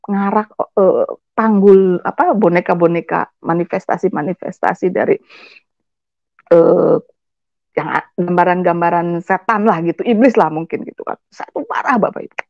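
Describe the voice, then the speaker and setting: A woman's voice: medium pitch, moderate pace, dry recording. A woman giving an emotional personal testimony, speaking straight to her audience and slipping in English words. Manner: addresses the audience directly, sprinkles in English words. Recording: dull, dry lo-fi recording.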